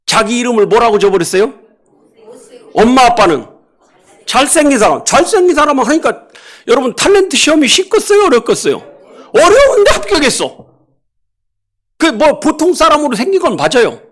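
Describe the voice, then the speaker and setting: A middle-aged male pastor preaching a sermon in a church, animated and questioning the congregation, acting out animal sounds and scoldings. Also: very high-pitched, a little fast, pauses often. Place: church sanctuary.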